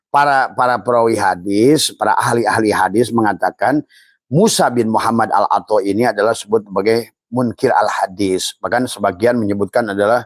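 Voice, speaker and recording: Older male preacher, low, dry-miked. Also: no room sound. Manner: rambling, many fillers and restarts; quotes Arabic phrases. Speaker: Islamic preacher. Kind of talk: religious teaching talk.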